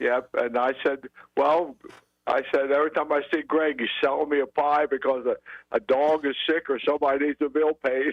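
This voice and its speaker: A man's fairly high-pitched voice in a monotone, flat intonation, at a moderate pace with very even loudness. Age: 80s+. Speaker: elderly radio listener. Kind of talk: call-in chat. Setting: phone call. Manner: halting, repetitive.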